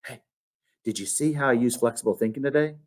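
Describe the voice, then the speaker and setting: A man's voice: mid-range voice, a little fast, close to an everyday voice. A man voicing a patient, slightly quirky storybook mother who coaches and encourages. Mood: gentle, instructive. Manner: encouraging, instructive. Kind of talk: storybook read-aloud.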